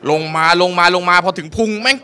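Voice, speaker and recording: A young man with a high, bright voice tells a stand-up story on stage. He is crude and exasperated, swears freely and slips into the voices of the people he describes. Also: lively intonation, a little fast, clear, resonant tone. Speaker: stand-up comedian. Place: comedy venue stage.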